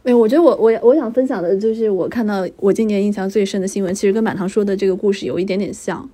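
Woman journalist co-host, fast, warm and mellow, earnest in casual chat. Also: mid-range voice. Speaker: podcast co-host, news journalist.

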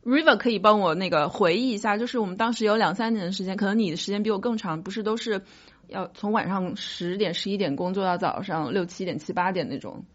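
A woman's voice: medium pitch, fast. A woman podcast host chatting casually and telling personal stories in a light-hearted, joking way. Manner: light-hearted, jokes about own troubles. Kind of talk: casual chat, personal storytelling. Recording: dull lo-fi audio.

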